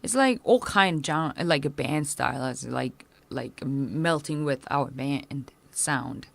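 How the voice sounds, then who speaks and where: A woman in her thirties who speaks English with Korean as her first language, talking as a punk musician guest in a casual interview, halting, with many fillers and restarts. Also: rumbling low, gravelly, no room sound.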